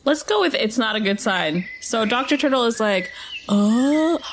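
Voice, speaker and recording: Slow, laid-back woman player. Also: fairly high pitch, lively intonation, slight background noise, poor audio. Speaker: tabletop game player. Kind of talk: casual improvised description of a character.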